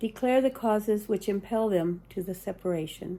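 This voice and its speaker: Her tone dark and mellow, a woman speaks at a moderate pace and medium pitch with ordinary pitch variation. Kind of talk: historical document reading.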